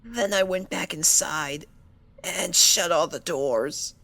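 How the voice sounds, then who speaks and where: A woman voicing a timid, traumatized female cartoon pony in a fan fiction audio drama, speaking in a halting, tearful way. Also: fairly low pitch, vocal fry, fairly bright tone, no room sound, full character voice. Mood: subdued, anxious. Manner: halting, hesitant, tearful delivery.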